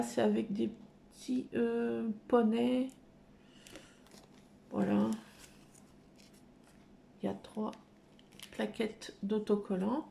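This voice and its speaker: A woman's voice: fairly high pitch, gravelly, mellow, a little hiss or hum. A middle-aged woman casually chatting at home as she shows off her craft haul, hesitant, with many fillers. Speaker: craft vlogger showing a haul. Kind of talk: casual show-and-tell chat. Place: at home indoors.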